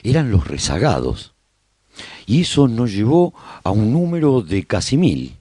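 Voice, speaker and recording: A male survivor of the apocalypse narrating a scripted radio serial. His voice is low and husky, with expressive, animated storytelling. It is recorded close and dry. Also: unhurried, no room sound, exaggerated voice. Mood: reflective, wry. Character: male survivor recounting life in a post-apocalyptic colony. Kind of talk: scripted first-person radio drama narration.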